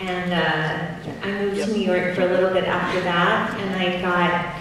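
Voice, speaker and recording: A woman speaks with fairly even intonation. There is noticeable background noise and strong room echo. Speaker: guest. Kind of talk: interview answer. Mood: shy, amused, laughing. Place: hall. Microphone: pa.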